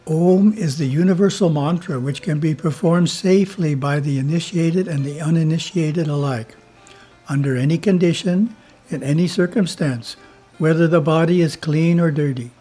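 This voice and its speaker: Spiritual teacher guy reading slow and measured, husky, kinda high voice, soft music under it.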